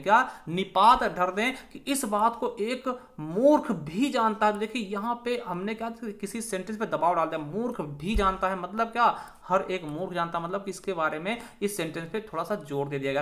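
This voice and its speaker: A man teaching an exam-prep grammar lesson. He explains step by step, keeps checking in with the listener, and slows down to stress each example word. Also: high-pitched, a bit bright. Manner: stresses example words and slows down over them.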